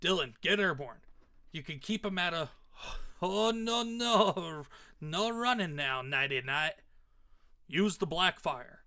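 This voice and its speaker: A man's voice: fairly high pitch, animated, moderate pace, pushed and bright. A man voicing a stern, scornful dead father who mentors a superhero, curt and commanding, reading from a comic book. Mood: urgent. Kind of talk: comic book read-aloud.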